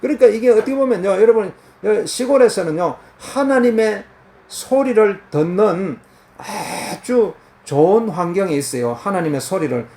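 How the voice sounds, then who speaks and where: High-voiced fervent male preacher. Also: warm tone. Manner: earnest, repetitive, fervent preaching. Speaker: pastor. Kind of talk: sermon. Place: countryside, crickets and cicadas heard outside.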